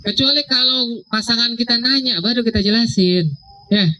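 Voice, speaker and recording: A young man giving a casual religious talk, slowing down to stress key words and checking in with "ya". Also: very high voice, bright, forceful tone. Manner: conversational, drawn-out emphasis, frequent "ya". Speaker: religious speaker. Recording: dull lo-fi sound with faint noise.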